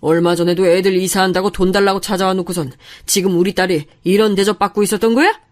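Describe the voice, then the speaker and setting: A woman's voice: mid-range voice, fairly even intonation, fast talker, natural voice. A woman voicing a furious older father. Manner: scolding, forceful. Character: furious older father defending his daughter.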